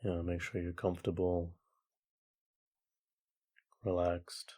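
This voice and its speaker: A man with a fairly low voice guides a meditation. His delivery is very slow and flat in melody, with long gaps between gentle instructions. He sounds like a calm teacher talking a group through their practice.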